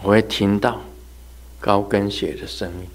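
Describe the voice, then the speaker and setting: Slow, low-voiced man telling a sermon. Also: steady tone. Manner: chatty storyteller who laughs and imitates sounds. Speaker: religious teacher. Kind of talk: sermon told as humorous ghost anecdotes.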